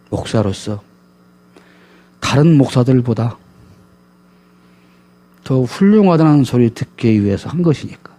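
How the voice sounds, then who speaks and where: A man's voice: medium pitch, mellow. A man preaching a sermon as a pastor, emphatic and full of rhetorical questions to his congregation.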